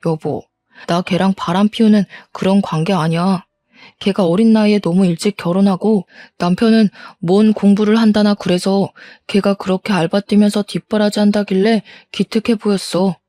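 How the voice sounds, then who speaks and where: A woman's voice: mid-range voice, fairly even intonation, moderate pace, dark tone, no room sound, studio quality, close to an everyday voice. A woman voicing a cheating middle-aged husband who turns the blame on his wife. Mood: pleading. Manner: dismissive, scolding.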